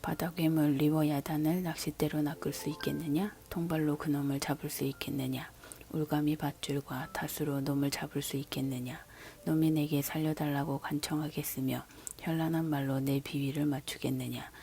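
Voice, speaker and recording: A woman's voice: low-pitched, level tone, normal speed, vocal fry. A woman reading God's words to a man in an unvoiced whisper, as a whispered scripture reading. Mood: describing. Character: almighty God questioning a man. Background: soft background music.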